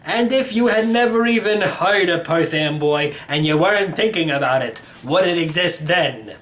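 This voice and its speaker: A man's voice: on the high side, expressive, moderate pace, fairly bright tone. Man voicing an emphatic, eccentric old storybook uncle. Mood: quizzing, insistent. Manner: emphatic, quizzing, teacherly. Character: elderly, eccentric, brusque uncle, a time-travel tutor. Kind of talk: storybook character reading.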